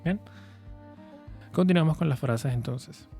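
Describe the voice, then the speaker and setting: A man teaching English pronunciation in a patient, clear way, saying model words slowly for learners to repeat. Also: fairly high pitch, warm tone, soft background music. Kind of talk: shadowing lesson, repeat-after-me drills.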